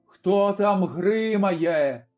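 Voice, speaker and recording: A man voicing a vicious old tavern-keeping woman called a witch in a told story, shrill and screeching. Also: very slow, darkish tone, highs cut off, faint music behind. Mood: angry.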